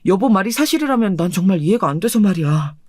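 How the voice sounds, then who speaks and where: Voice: medium pitch, animated, fast talker, a little mellow, no echo, clean studio sound, lightly acted. A performer voicing a humble, sweet-natured young husband who speaks eagerly and earnestly in a storybook radio drama.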